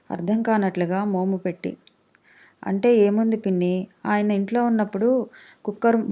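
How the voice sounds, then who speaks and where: Female storyteller, mellow tone, expressive comic read-aloud, dialogue lightly voiced. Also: medium pitch. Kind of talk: reading a humorous story aloud.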